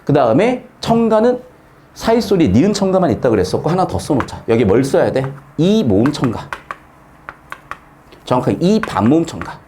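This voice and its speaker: A man's voice: normal speed, slight background noise. A middle-aged man teaching grammar in a casual lecture, asking rhetorical questions and dropping blunt slangy asides. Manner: lively, swings pitch widely, asks rhetorical questions, blunt slangy asides. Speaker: Korean grammar tutor.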